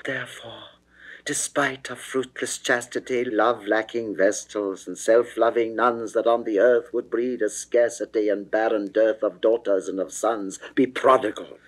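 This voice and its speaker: A man voicing a seductive goddess of love who pleads passionately, in a theatrical, declamatory and measured classical verse reading. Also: on the low side, fairly even intonation, low-quality recording. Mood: urgent persuasion.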